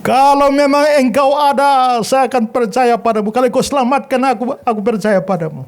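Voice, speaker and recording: A man voicing a desperate atheist who clings to a branch and pleads upward, in a raised, higher voice. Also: a little fast. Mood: desperate pleading.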